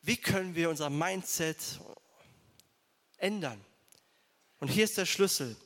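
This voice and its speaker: Emphatic high-voiced male pastor preaching. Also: expressive, a little slow, a bit bright, big-room sound. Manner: emphatic, direct address to listeners, repeats key phrases. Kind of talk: sermon.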